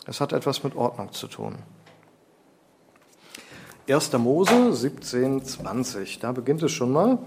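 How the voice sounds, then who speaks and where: Male preacher, emphatic, lecturing, rhetorical questions, mid pitch. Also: big pitch swings, unhurried, pauses often, noisy background. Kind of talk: sermon.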